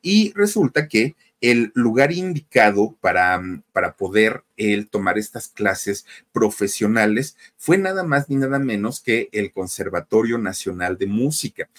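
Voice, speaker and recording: A man's voice: lowish voice, very animated, unhurried, hardly any pauses, a bit bright. A man with a Mexican accent telling a life story in a chatty, casual way, often addressing the listeners directly. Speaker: storyteller, channel host.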